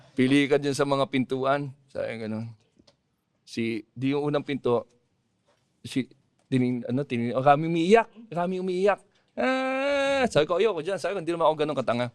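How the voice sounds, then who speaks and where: A man's voice: fairly high pitch, animated, moderate pace, long pauses, clean tone, no echo, studio quality. A man, a comedian guest on a podcast, rambling through a long joke and acting out the quotes. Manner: rambling storytelling with acted-out quotes and laughter.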